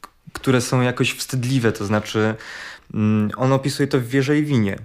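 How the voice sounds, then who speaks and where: A man's voice: medium pitch, moderate pace. A man explaining something conversationally in a hesitant, careful way.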